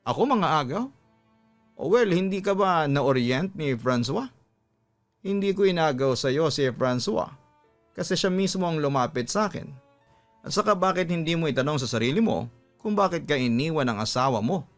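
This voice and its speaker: A man's voice: on the high side, animated, moderate pace, soft background music, natural voice. A man voicing a brazen, defiant mistress in a radio drama with a haughty, insulting manner. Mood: taunting. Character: brazen, taunting young mistress, defiant woman.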